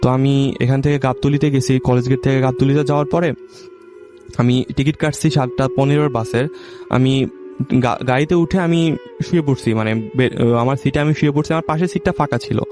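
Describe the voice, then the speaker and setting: Young man haltingly telling a ghost story. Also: mid-range voice, steady tone, over music. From Bangladesh. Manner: halting, with many restarts and self-corrections. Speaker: caller sharing a true ghost story. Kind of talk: casual spoken storytelling.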